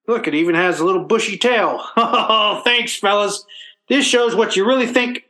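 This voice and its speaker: A man's voice: high voice, unhurried, sharp tone. An actor playing a stubborn, sentimental working-class everyman in radio comedy, plaintive and colloquial. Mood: moved, delighted. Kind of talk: old-time radio comedy acting.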